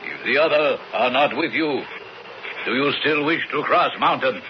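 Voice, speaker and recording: A man's voice: medium pitch, expressive, moderate pace, lightly acted. An actor playing a wary, devout Native American man in a radio drama, speaking solemn, formal broken English. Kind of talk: 1970s radio drama acting. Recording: muffled noisy old radio broadcast.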